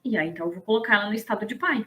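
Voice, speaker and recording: A woman, explaining ideas in a casual, animated lesson and checking in with her listeners. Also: mid-range voice, very fast. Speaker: business management instructor.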